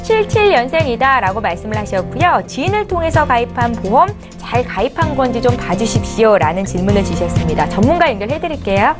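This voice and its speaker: A woman presenting a studio advice show, her pitch sitting a little high and moving a lot as she talks. She is polite and formal, and music plays faintly behind her. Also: fairly quick, few pauses. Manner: polite, formal, lively delivery. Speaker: show host. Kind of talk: broadcast presenting.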